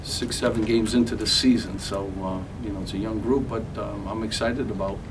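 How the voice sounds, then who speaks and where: A middle-aged man, a head basketball coach, answering questions at a postgame press conference, halting with many fillers and restarts. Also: fairly low pitch, fairly even intonation. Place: press conference room, seated at table. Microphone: table mic, camera from afar. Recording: distant mic with background noise.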